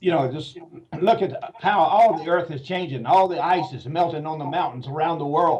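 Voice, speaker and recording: Amid noticeable background noise, a high-pitched man speaks at a moderate pace with ordinary pitch variation and big swings in loudness. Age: 70s. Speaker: inventor. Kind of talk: interview. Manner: animated.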